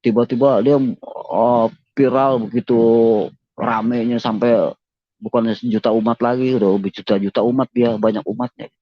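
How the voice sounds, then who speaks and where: A man recounts his personal testimony to an interviewer in an earnest, heartfelt way, repeating his points and addressing his listener respectfully. His voice sits at an ordinary male pitch. The recording is dull and lo-fi, with a dry, close sound. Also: steady tone, normal speed, no room sound. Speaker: interviewee giving a conversion testimony.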